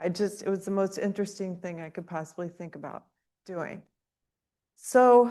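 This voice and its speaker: Against a quiet background, a woman of medium pitch speaks in a dark, mellow tone at a moderate pace, with ordinary pitch variation, big swings in loudness, and long, frequent pauses. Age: 60s. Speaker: patient advocacy leader and neuroscientist. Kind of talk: panel talk.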